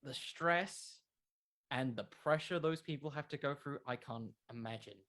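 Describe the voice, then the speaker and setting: A man's voice: medium pitch, measured pace, fairly bright tone. A man speaking as a podcast creator in a casual interview, conversational and emphatic, with a self-deprecating way of talking.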